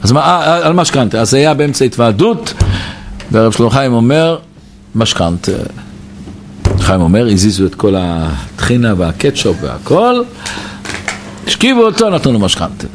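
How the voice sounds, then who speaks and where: Animated man telling a Hasidic story. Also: medium pitch, pauses often, noisy background. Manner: animated, repeats phrases, addresses listeners directly. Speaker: Hasidic teacher at a gathering. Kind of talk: storytelling talk at a farbrengen.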